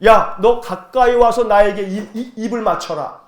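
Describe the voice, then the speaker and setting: A man's voice: sits high, a little slow, echoey room. A man voicing a suspicious old blind father who questions and demands in a sermon retelling.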